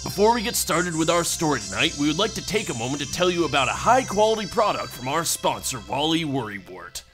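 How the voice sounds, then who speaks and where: A man's voice: a little high, big pitch swings, fairly quick. A man reading scripted introductions and narration as the announcer of a radio play podcast. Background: music.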